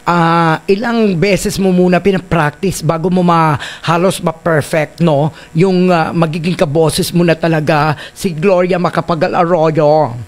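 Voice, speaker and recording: Man, radio host, high-pitched, chatty, slight background noise. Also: fairly even intonation, a little slow. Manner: chatty, many fillers and tag questions. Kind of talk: casual radio interview.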